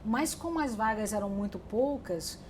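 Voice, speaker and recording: Middle-aged woman, interviewee, reflective storyteller, mid-pitched, faint hiss in the room. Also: animated, normal speed, a little mellow. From Brazil. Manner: reflective, with frequent restarts and fillers. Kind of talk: oral history interview.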